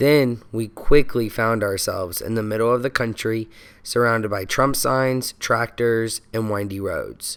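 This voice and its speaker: The recording is very clean, with a silent background. A man with an unremarkable speaking voice and medium pitch talks fairly slowly with fairly even intonation. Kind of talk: documentary narration.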